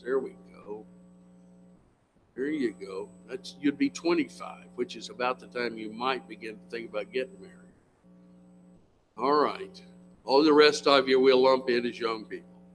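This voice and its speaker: The audio is poor, but you can hear a mid-range male voice: an American in his seventies preaching in church. He is folksy and emphatic, keeps his language plain, and regularly asks the congregation questions.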